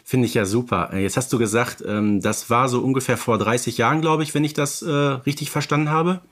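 A man's voice: mid-range voice, a little fast, a bit bright. A man hosting a podcast, interviewing his guests in a casual, chatty style. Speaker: podcast host.

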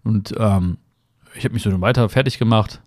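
A man with a fairly low voice talks straight to his listener, telling a personal story. He is reflective and hesitant, circling back with fillers and restarts as he looks for his words. He records from a room with the window open in the mountains. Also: brisk, a little mellow.

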